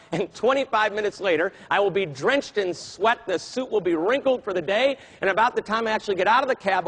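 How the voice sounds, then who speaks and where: A man giving a talk to an audience, telling an animated story and acting out the voices he quotes. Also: high-pitched, husky, low-quality recording. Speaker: keynote speaker.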